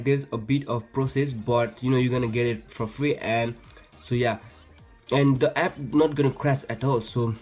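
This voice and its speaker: A man hosting a casual phone how-to, stumbling and repeating his phrases as he goes. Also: medium pitch. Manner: hesitant, repetitive phrasing with frequent stumbles. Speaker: tech tutorial host. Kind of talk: casual how-to screen demonstration. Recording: music behind, some background noise.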